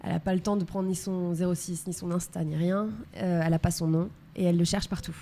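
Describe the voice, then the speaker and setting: A woman, an actress and guest on a radio show, pitching her play fluently. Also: little pitch movement, fast talker, mellow.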